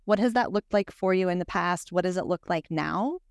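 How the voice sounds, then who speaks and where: A woman's voice: fairly low pitch, a little fast, no echo, studio quality. A woman hosting a podcast conversation, introducing guests and putting questions to them. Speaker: podcast host.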